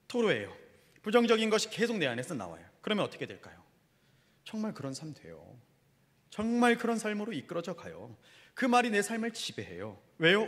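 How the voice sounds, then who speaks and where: Animated Korean pastor preaching in a hall. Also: male voice, sits high. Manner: animated preaching, acts out grumbling quotes, asks the congregation questions. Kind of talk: sermon. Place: church sanctuary.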